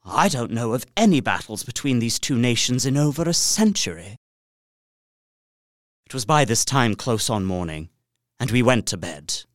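A man's voice: medium pitch, lively intonation, normal speed, no room sound, studio quality, close to an everyday voice. An actor playing an uneasy young solicitor, narrating his journal formally and dramatically in an audio drama. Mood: wary, anxious.

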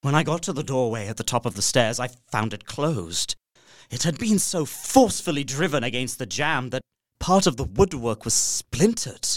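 A man's voice: mid-range voice, animated, normal speed, no echo, clean studio sound, natural voice. An actor playing a horrified young solicitor, narrating his journal in an earnest, formal way for a radio play. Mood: uneasy. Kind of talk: dramatic first-person narration, radio play.

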